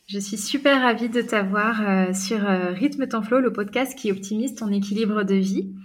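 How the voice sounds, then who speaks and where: A woman's voice: medium pitch, moderate pace, slight background noise. A woman hosting a podcast interview, upbeat and chatty, with many filler sounds. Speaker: podcast host.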